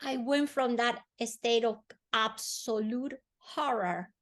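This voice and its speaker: A Colombian woman with a fairly high voice tells stories as a guest in a podcast interview. She sounds earnest, slowing down and softening on emotional words.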